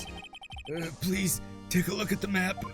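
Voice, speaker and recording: A man's raspy, put-on character voice, high in pitch and fairly slow, with clear music in the background. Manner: strained, as if constipated; quiet.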